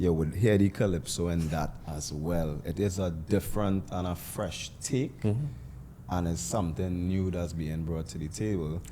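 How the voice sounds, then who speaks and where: A man with a Trinidadian accent speaks fairly slowly with hardly any pauses, his very deep, low pitch carrying a dark, mellow tone and ordinary pitch variation. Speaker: musician and poet. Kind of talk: interview answer.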